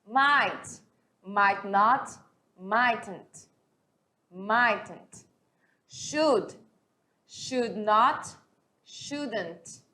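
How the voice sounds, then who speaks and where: A woman with a Brazilian Portuguese accent teaching a recorded English lesson, explaining slowly and repeating words, often checking in with her students. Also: on the high side, fairly bright tone.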